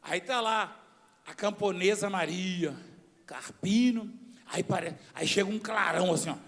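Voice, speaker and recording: A middle-aged man from Brazil preaching a sermon as a bishop, telling stories and shifting from hushed tones to shouts. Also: high-pitched, unhurried, vocal fry. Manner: storytelling preacher, mimics voices, swings from hushed to shouting.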